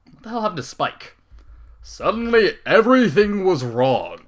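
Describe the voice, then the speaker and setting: Animated man reading a comic story. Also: high-pitched, normal speed. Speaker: story reader. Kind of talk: dramatic comic reading of fan fiction.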